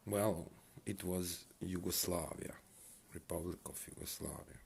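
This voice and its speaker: Slow, gravelly man. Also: low voice, steady tone, darkish tone. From Bosnia and Herzegovina. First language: Bosnian. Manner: laid-back, musing aloud to himself. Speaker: mobile game streamer. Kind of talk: casual gameplay commentary.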